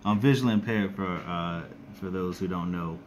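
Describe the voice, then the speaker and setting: A man with a very deep, low voice talks casually to his live-stream viewers. A scratchy throat from a cold leaves him raspy and monotone, and he speaks haltingly, filling gaps with ums and restarting his sentences. A faint hiss sits behind the voice. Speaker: YouTuber doing a live stream. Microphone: close to the screen and device.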